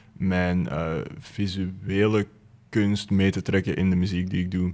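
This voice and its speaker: A man talks in a very deep, low pitch with a monotone, flat intonation. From Belgium, Antwerp. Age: 20s. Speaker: musician and graphic designer. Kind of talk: interview.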